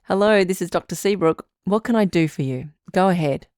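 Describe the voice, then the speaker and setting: A woman playing a calm, caring radio advice doctor who hosts a call-in show in a measured, reassuring way. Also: on the low side, no room sound, studio quality, natural voice. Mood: composed.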